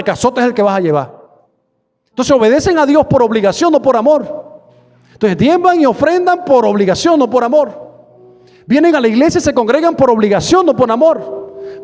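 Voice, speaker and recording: High-voiced preaching man in a reverberant hall. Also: a little mellow. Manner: preaching with quick bursts and slow drawn-out emphasis; acts out quoted prayers and imagined listeners. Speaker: pastor. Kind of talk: sermon. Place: church.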